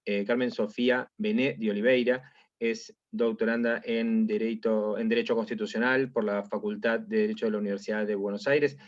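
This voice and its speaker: A man's voice: fairly low pitch, little pitch movement, moderate pace, dry recording. Wordy male moderator on a dull video call. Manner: wordy, filler-heavy, restating phrases. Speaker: event moderator. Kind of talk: formal introductions.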